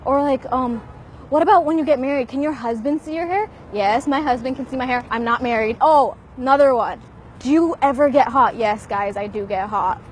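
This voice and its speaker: A young woman answers with lively, sarcastic animation. Her voice sits fairly high. She speaks outdoors with a faint hum of noise around her. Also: brisk. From born in Pakistan, raised in the United States. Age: young adult. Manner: animated, mimics others' questions with sarcasm. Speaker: university student interviewee. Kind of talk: candid interview answers.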